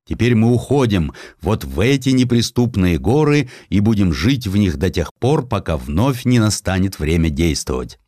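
A man's voice: lowish voice, sing-song, moderate pace, few pauses, mellow, no room sound, clean studio sound. A man voicing a hardened, proud Cossack warlord in an audiobook, with a weighty, declamatory manner. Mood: solemn, commanding.

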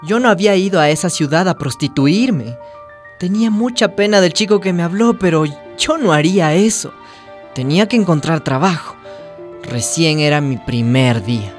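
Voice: medium pitch, expressive, moderate pace, natural voice. An actor voicing a timid, hopeful young trans woman from a village in a radio drama, telling and living the story. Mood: weary, confiding. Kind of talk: radio drama narration and dialogue. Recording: music under the voice.

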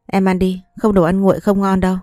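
A woman voicing a calm, cool-mannered young husband in a spoken story, speaking in a level, patient, coaxing way. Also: mid-range voice, brisk, no echo, clean studio sound, lightly acted. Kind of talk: audiobook character reading.

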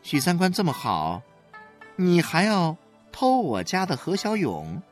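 A woman's voice: lowish voice, wildly swooping pitch, a little slow, faint music behind, voice pushed up. A woman voicing a thin, cold, spiteful rival wife who sneers in a storybook. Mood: sneering.

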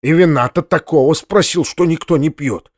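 A man's voice: on the high side, moderate pace, a little mellow, no room sound, studio quality, natural voice. A man voicing an indignant, grumpy landowner who mutters under his breath, in an audiobook. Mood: grumbling, indignant.

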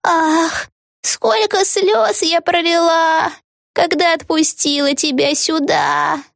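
A woman's voice: high voice, lively intonation, no room sound, clean studio sound, voice pushed up. Woman voicing a sugary scheming old witch. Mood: sugary sing-song. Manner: drawn-out, sing-song, fake tender. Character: scheming old female witch, falsely sweet.

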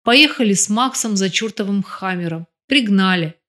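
A woman's voice: medium pitch, lively intonation, normal speed, fairly bright tone, natural voice. Woman narrator voicing a surly grumbling bodyguard, audiobook, light touch. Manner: grumbling, teasing. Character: gruff grumbling male bodyguard.

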